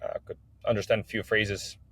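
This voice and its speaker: A man's voice: lowish voice, level tone, brisk, fairly bright tone, breathy edge, no room sound. A man from Kazakhstan, an English speaker telling his personal story as a podcast guest. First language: not English. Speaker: podcast guest, business owner.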